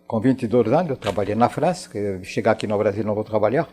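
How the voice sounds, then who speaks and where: Elderly French man, halting and mellow. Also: on the low side, breathy edge. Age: 90s. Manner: halting, repeats words and phrases. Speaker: interview guest, war veteran. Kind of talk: conversational recollection in a television interview.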